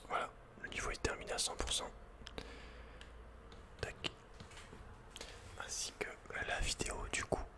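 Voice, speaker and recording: A man's voice: measured pace, long pauses, sharp tone. Whispering French man, ASMR gaming. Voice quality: breathy, unvoiced whisper. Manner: intimate, addresses the listener informally. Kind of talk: whispered ASMR game commentary, casual.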